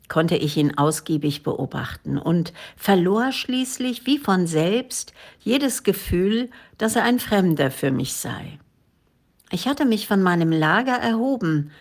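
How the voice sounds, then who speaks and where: A woman narrating a story as an audiobook, soft and measured, sometimes dropping into near-whispers. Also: fairly low pitch. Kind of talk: audiobook reading.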